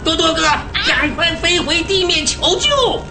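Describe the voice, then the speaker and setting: A plucky little dragon captain from a children's radio play. The voice is very high, energetic and commanding, over clear background music. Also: female voice, a little slow. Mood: urgent, commanding. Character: bold, decisive young dragon team leader. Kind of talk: children's radio drama acting.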